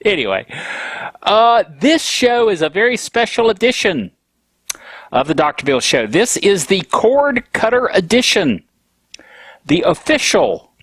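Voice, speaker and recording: A man's voice: sits high, a bit bright, breathy edge, no room sound. A man hosting a tech show alone, stuffy from a cold, talking casually with grumpy, self-mocking humor. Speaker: podcast host.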